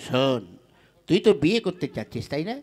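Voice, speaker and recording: A man's voice: a little high, big pitch swings, fairly quick, a little mellow. A man voicing a sly, boastful young village rogue who talks in a wheedling, colloquial way in a comic puppet play.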